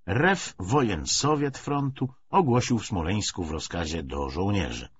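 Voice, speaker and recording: A man narrating a novel as an audiobook in an expressive literary style. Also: sits low, a little slow, lo-fi sound, a little hiss or hum.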